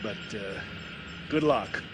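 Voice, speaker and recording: An actor playing a cocky, skeptical star pilot in an audio drama, with a casual, wry delivery. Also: male voice, lowish voice, slow, background noise. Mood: wry, evasive. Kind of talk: audio drama acting over orchestral score.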